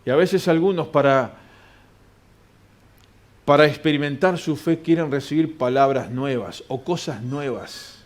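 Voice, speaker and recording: A man's voice: on the high side, measured pace, long pauses. A man preaching a sermon in a church, reading scripture aloud and answering his own questions.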